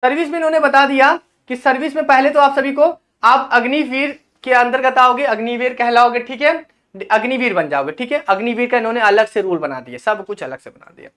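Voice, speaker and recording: A man's voice: extremely high pitch, a bit bright. A man presenting an educational channel, giving an impassioned explainer on a document and addressing listeners as brother. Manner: slowly reads out English clauses.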